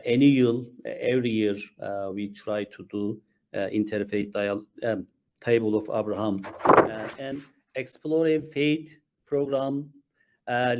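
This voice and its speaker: A man from Turkey, a Muslim chaplain, speaking haltingly on a panel over a video call, with many fillers and restarts. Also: on the low side, darkish tone.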